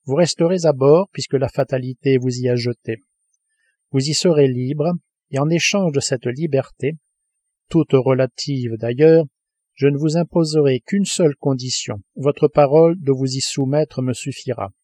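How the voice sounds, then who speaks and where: A man reading the lines of a stern, cold male submarine commander in a grave, measured audiobook voice. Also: medium pitch, dark tone, slightly rough, dry recording, natural voice.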